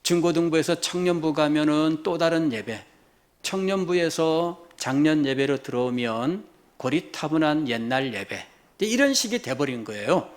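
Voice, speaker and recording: A middle-aged male pastor with a fairly high voice preaches with fervor. He drops to quiet, low phrases and then climbs to loud, ringing exclamations. He repeats his points and presses the congregation with rhetorical questions. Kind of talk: sermon.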